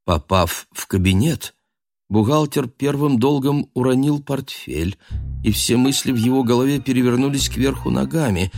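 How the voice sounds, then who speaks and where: A man narrating a literary audio drama in a measured storytelling manner. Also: medium pitch, gravelly, darkish tone, no echo, studio quality.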